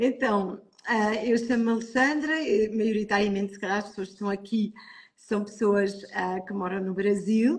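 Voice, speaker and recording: A woman speaks at a moderate pace in a medium pitch. Her voice is somewhat breathy, with fairly even intonation. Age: 50s. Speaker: pharmacist. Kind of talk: interview.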